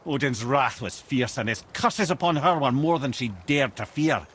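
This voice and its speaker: An actor voicing an eloquent, wry old Scottish sage, telling stories in a theatrical, measured way as a video game character. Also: male voice, medium pitch, animated, fairly bright tone, slight background noise, lightly acted. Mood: regretful, grave. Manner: theatrical, wordy, measured storytelling with wry asides. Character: wry, eloquent old male sage and former royal advisor, storyteller.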